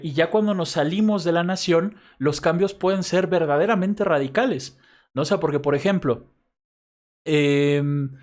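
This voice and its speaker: A man with a Mexico City accent lecturing to his class as a university professor. His voice sits a little high for a man, and he explains step by step. He keeps pausing to check in with quick tag questions. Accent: Mexico City Spanish.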